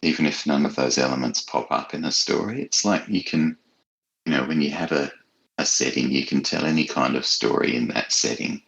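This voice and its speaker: A man being interviewed as an author, talking reflectively and choosing his words in a measured, articulate way. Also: very deep voice, vocal fry, a bit bright, poor audio.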